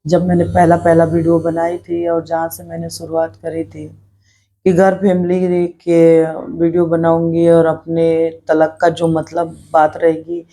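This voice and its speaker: A woman's voice: low-pitched, dark tone. A middle-aged woman talking earnestly to her viewers in a personal vlog, reflective and repeating herself as she speaks her mind. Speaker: vlogger. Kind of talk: personal vlog talk to camera.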